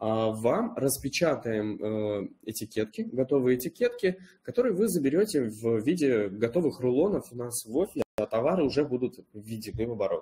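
A man's dark, mellow tone, somewhat breathy, with lively intonation. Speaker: project manager. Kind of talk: webinar presentation. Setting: online webinar.

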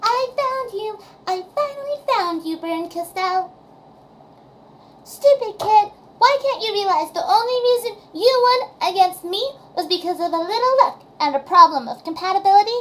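This female-sounding voice is a put-on character voice at extremely high pitch. It breaks into long, frequent pauses. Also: moderate pace. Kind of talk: audio drama audition. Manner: bratty, taunting.

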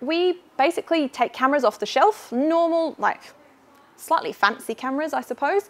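The speaker uses an enthusiastic tone and has a British accent. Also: woman. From United Kingdom. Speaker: planetary geologist. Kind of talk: public science talk. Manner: enthusiastic, casual. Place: classroom.

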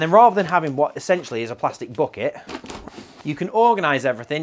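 Speaking very fast in a British accent, this voice swings very widely in pitch. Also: man. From UK. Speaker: tool review youtuber. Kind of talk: product review video. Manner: animated. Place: workshop.

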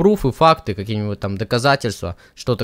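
Recorded with a dry, close sound and no echo, a man speaks at a moderate pace in an animated tone, medium in pitch with ordinary pitch variation. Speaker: streamer reacting to a video. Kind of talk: casual reaction stream commentary, heavy swearing.

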